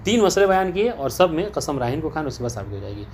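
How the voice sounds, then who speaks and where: Male teacher of religious law, highish voice, lecturing students with frequent comprehension checks. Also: big pitch swings, a little mellow. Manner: checks understanding with rhetorical questions to students. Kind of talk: classroom lecture explaining a text. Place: teaching session with students present.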